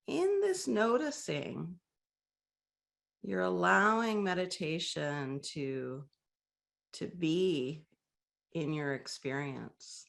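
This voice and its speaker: Slow, gravelly-voiced woman guiding meditation. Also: fairly low pitch, lively intonation. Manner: slow, soft, gently inviting with long pauses. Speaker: meditation guide. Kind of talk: guided meditation.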